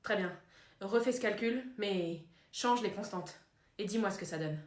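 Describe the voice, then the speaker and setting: Woman playing a hushed young genius inventor. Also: mid-range voice, moderate pace, roomy sound, pitched below the performer's own voice, natural voice. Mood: earnest.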